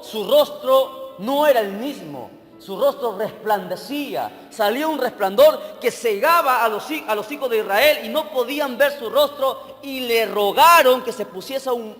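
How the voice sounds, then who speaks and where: A male evangelist preaching a sermon, emphatic, often asking the congregation questions and swinging between loud and soft delivery. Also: high voice, long reverb tail.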